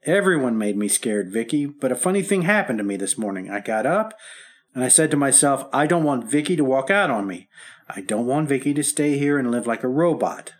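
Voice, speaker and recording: A man's voice: medium pitch, animated, fairly quick, natural voice. An actor playing a frightened businessman laid up after a heart attack in a vintage radio drama, talking bluntly and bitterly. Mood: cheerful. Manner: bitter, self-pitying, blunt. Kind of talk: 1950s radio drama acting.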